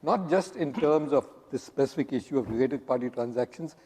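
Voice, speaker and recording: A hoarse man, courteously moderating a panel. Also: mid-range voice, fairly quick, darkish tone. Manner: courteous, introducing speakers. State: hoarse, losing his voice. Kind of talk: panel discussion. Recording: long hall reverb.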